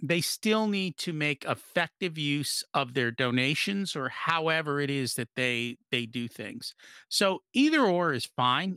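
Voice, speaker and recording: At a fairly slow pace, a man with an American accent speaks at a fairly high pitch with lively intonation and a bright, sharp tone, on a very clean, dry, close recording with a silent background and no echo. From India, raised in the US. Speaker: business profitability advisor. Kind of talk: interview.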